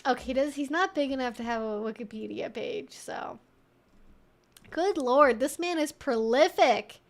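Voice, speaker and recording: High-pitched, playful woman hosting a livestream. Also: moderate pace. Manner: playful, wry, mock-serious; giggles often while talking. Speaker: livestream host. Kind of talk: casual livestream chat, answering viewers.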